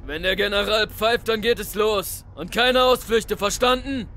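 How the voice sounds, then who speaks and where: An actor playing a fatalistic, commanding German army colonel in a wartime audio drama, speaking curtly. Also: male voice, high voice, normal speed, sharp tone, slight background noise. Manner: commanding, curt.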